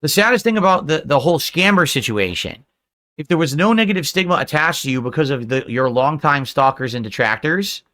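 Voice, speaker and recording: A man's voice: fairly high pitch, a bit bright. A man in his forties ranting on a livestream, aggrieved and defensive, repeating himself as he reads out a tip. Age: 40s. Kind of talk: livestream rant.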